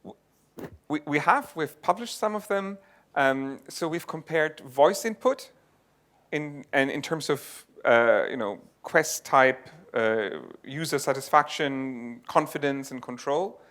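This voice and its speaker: Bright-voiced man giving a tech talk. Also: on the high side, slow pace. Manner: explanatory, thinks aloud with restarts. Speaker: conference speaker. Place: lecture venue.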